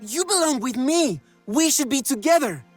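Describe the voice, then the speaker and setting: A man's voice: extremely high pitch, animated, normal speed, soft background music. A man acting a lovesick, earnest young mercenary in a video game, melodramatic and formally spoken. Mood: pleading, lovesick.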